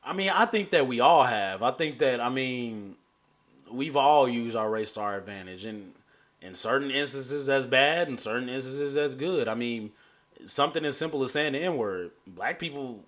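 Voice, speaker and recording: A man hosting a reaction video, talking in a loose, animated way and laughing through his points. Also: mid-range voice, moderate pace. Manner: animated, keeps saying "you know what I'm saying". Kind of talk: casual chat.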